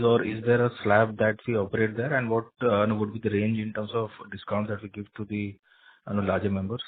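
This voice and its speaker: A man's voice: medium pitch, husky. A man with an Indian accent calling in as an analyst, asking questions deferentially and hesitantly on an earnings call. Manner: deferential, hesitant, frequent "you know". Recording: narrow telephone line.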